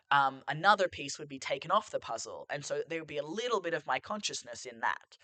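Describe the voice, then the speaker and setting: Musing bright-voiced man, thinking aloud. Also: on the high side, no room sound. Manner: rambling, musing, full of "like" and "sort of". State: losing his voice. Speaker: podcast host. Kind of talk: reflective solo monologue. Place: sitting on a couch at home.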